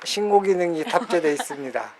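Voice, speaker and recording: A woman's voice: on the low side, animated, a little fast, crowd noise. A woman playing a police officer in a comic toy skit, speaking in a stiff, formal, robot-like way. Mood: stiff, insistent. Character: stiff female police officer reciting like a machine.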